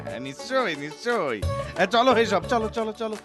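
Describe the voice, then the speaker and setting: A man voicing a pompous, fussy older village scholar in a cartoon, repeating his words excitedly. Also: high voice, quick pace. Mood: flustered, eager. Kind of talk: Bengali cartoon voice acting. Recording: loud music behind the voice.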